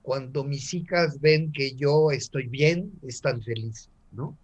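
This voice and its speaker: A man's voice: medium pitch, slow pace, muffled recording. An older man, a native French speaker with a French accent, reflecting on personal stories in conversation and repeating words as he searches for them.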